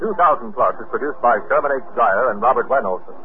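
A man's voice: mid-range voice, fast talker. A man reading as a scripted radio announcer in 1950s style. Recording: hissy, narrow 1950 radio recording.

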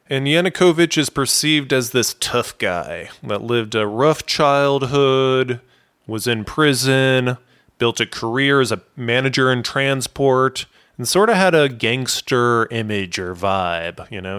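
A man hosting a podcast, reading a scripted history narration in a steady, explanatory way. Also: medium pitch, clear, resonant tone. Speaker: podcast host.

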